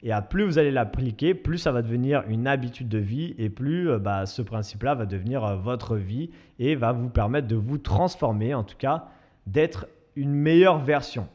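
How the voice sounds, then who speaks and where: A man's voice: mid-range voice, animated, normal speed, darkish tone, lo-fi sound. A young man hosting his own podcast, talking casually and self-mockingly with many restarts. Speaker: podcast host and fitness coach. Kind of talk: casual solo podcast monologue.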